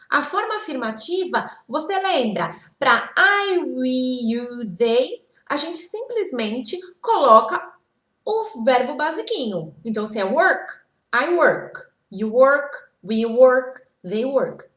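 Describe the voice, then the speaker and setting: Lively-voiced woman teaching grammar, echoey room. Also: high voice. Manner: patient, slow model phrases, checks in with "ok?". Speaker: English teacher. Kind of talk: slide-based grammar lesson.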